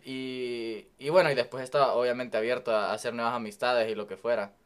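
A man's voice: mid-range voice, steady tone, a little fast, clear, resonant tone. Easygoing young Salvadoran man. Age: 20s. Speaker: podcast guest, engineering student. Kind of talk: casual podcast conversation.

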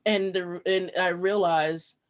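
A woman's voice: lowish voice, fairly even intonation, takes it slowly. A woman guest in an interview, a writer and activist, speaking earnestly and reflectively with frequent fillers. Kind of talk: conversational interview storytelling.

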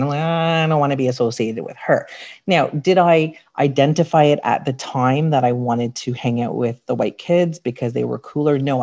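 A woman with a raspy, slightly deep voice, a podcast guest telling candid, reflective stories from her life in casual chat. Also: mellow. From Canada. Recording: dull lo-fi sound.

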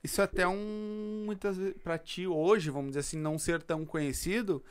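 A man hosting a casual podcast, joking and reading out listener shout-outs. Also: high voice, normal speed, clear, resonant tone, dry recording. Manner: joking, laughs easily, reads shout-outs. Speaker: podcast host. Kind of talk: casual chat.

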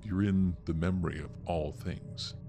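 Game master, male, middle-aged. Very low register, halting explanatory delivery, clear music bed. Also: steady tone. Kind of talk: explaining a tabletop role-playing story in conversation.

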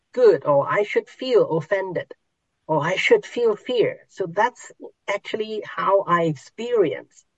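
A middle-aged woman from Hong Kong, a podcast host and spiritual teacher, teaches a small group very slowly and unhurriedly, often pausing and restarting as she searches for words. Her low voice sounds dry and close with no room around it, on a somewhat dull, muffled recording.

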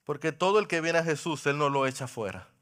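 Male pastor, sermon, high-pitched, sharp bright tone, impassioned, loud to hushed. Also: lively intonation, a little fast, clean tone. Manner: impassioned, swings from loud cries to hushed pleading. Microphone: microphone.

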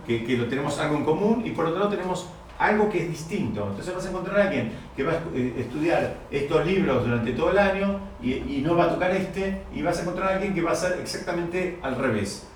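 A man's voice: a little high, animated, quick pace. A man teaching a Torah class, explaining step by step and asking his listeners rhetorical questions. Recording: very echoey room, distant mic, faint noise.

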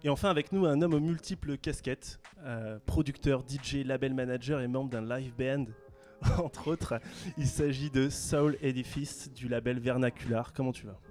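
A man hosts a casual radio chat show, introducing guests in a relaxed, hesitant way full of fillers. His voice sits at an ordinary middle pitch. Faint music plays behind him. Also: normal speed, few pauses.

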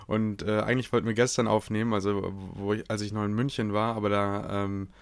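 A man co-hosting a podcast in casual chat, cracking deadpan jokes and absurd asides. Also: lowish voice, brisk, creaky, smooth, dry recording. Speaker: podcast co-host.

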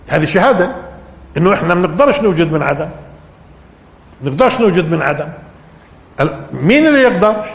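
Male preacher, high lively voice, teaching lesson, reverberant hall sound. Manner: rising to emphatic peaks, asking the audience questions. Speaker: Islamic scholar teaching Quran interpretation. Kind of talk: Quran commentary lesson. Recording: echoey hall recording.

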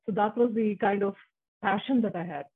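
A woman's voice: mid-range voice, brisk, breathy edge. A woman in her forties whose first language is Tamil, talking casually as an interview guest, chatty with frequent restarts. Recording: muffled phone-like line.

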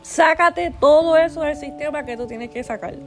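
A woman's voice: high voice, normal speed. A woman, telling a personal story in a chatty, rambling way with many restarts and fillers, earnest and faith-minded. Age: 20s. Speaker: vlogger.

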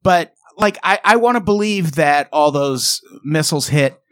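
A man's voice: on the high side, animated, unhurried, smooth, no room sound, clean studio sound. Wry, sarcastic man co-hosting a podcast. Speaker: podcast co-host. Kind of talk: casual comedic chat.

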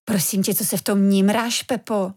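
A woman voicing a brisk, scolding mother in a children's storybook reading. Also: mid-range voice, fairly even intonation, darkish tone, close to an everyday voice.

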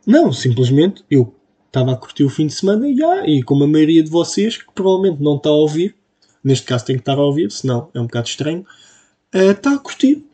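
Young man, European Portuguese accent, husky mellow voice, solo podcast ramble. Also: fairly high pitch, sing-song, quick pace. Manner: rambling, self-mocking, full of fillers. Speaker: podcast host. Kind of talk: casual solo podcast monologue. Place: home room at a computer. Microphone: computer mic.

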